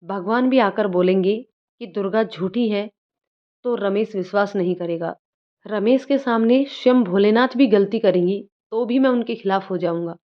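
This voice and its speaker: A woman voicing an angry grown man who shouts harsh commands, read as a storybook role. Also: medium pitch, moderate pace, natural voice. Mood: furious. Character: angry grown man, husband turned furious. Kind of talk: storybook reading. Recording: dull lo-fi recording.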